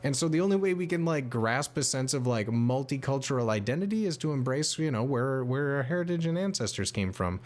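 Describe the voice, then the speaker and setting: A man's voice: medium pitch, animated, a little fast, few pauses. A man livestreaming, chatting casually with viewers in a slangy, rambling way, full of bro and homie. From United States. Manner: slangy and laid-back, often saying bro and homie; rambling, with many fillers and restarts.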